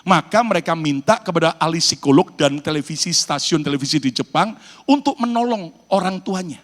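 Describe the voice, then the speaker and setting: A man from Indonesia preaching a sermon as pastor, animated and calling out to his congregation. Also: a little high, a little fast. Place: church hall in New York. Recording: reverberant church hall.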